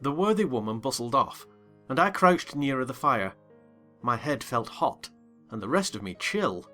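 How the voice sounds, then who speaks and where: A reader voicing a curious, formal gentleman tenant who narrates in first person. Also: medium pitch, very animated, normal speed, soft background music. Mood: narrating. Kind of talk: dramatized audiobook reading.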